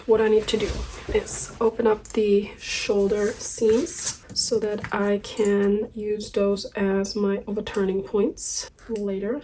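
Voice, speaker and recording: A woman's voice: medium pitch, a little mellow, a little hiss or hum. A woman from Austria, talking casually through a sewing project, her voice a little sick. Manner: chatty, self-deprecating asides. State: slightly sick voice. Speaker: sewing vlogger. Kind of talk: casual sewing vlog narration.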